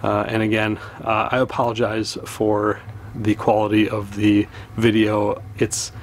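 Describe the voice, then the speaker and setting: A man's voice: lowish voice, measured pace. Chill guy in his 30s vlogging from a boat on a lake, wind and engine noise behind, lots of uhs. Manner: relaxed, rambling, many "uh"s. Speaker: fishing channel host. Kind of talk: casual fishing vlog. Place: open boat on a windy lake, outdoors.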